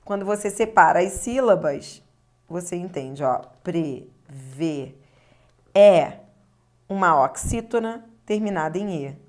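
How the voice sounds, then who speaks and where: This grammar lesson on video is led by a woman whose voice is lowish and expressive, never rushed. She walks through each point in order. She checks comprehension with tag questions along the way.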